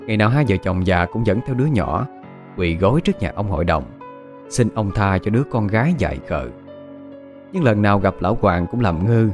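A man narrating a dramatic audio story in an expressive storytelling manner. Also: fairly low pitch. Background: faint background music.

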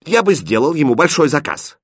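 A man's voice: on the high side, big pitch swings, brisk, dry recording, clean studio sound, pitched above the performer's own voice. A man voicing a pompous, self-important old king from a fairy tale. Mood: pleased.

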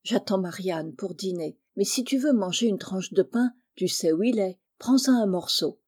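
A woman reading the part of a gentle, pious blind girl who speaks softly and earnestly in a storybook. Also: mid-range voice, animated, moderate pace, husky. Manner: soft, tender, earnest.

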